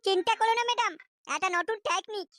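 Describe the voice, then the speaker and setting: A woman's voice: extremely high pitch, fast talker, loud music behind the voice. A woman voicing a cocky young male lover in a comic cartoon, boastful, cajoling and scheming. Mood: sly, reassuring.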